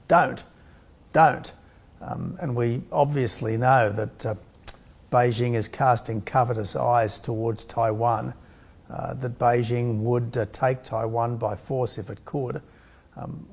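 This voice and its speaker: Male political commentator, mid-pitched, creaky and rough, deliberate with weighty emphasis. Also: a little mellow. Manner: halting, deliberate, emphatic on key words. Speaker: political speaker on foreign affairs.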